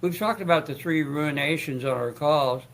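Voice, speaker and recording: A man's voice: on the high side, normal speed, gravelly. A man hosting his own talk show, speaking in a rambling, stammering way with frequent restarts and joking asides. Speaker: show host.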